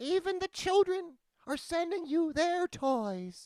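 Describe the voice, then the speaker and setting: In a put-on character voice, a man squeaks at an extremely high pitch and a fairly slow pace. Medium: read story.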